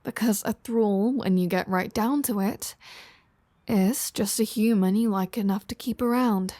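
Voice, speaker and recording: A teasing, sardonic vampire woman, played by a woman, talks straight to the listener in an intimate audio roleplay. She takes her time, with a casual, flirty manner and a mid-range pitch. The sound is very dry, with no room around it. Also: dark tone, no echo, close to an everyday voice. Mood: wry teasing. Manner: teasing, casual, sardonic, with sighs and drawn-out phrasing.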